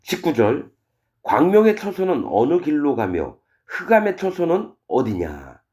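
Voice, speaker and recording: A male pastor preaching a sermon, reading verses and retelling them in plain, casual speech, full of rhetorical questions. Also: a little slow. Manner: animated, wide swings in pitch and loudness. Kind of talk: expository sermon reading scripture.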